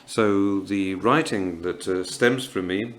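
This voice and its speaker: A man in his fifties from Morocco, speaking at a writers' panel in a halting, earnest way, with many pauses and fillers. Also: deep voice. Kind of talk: reflective festival panel talk.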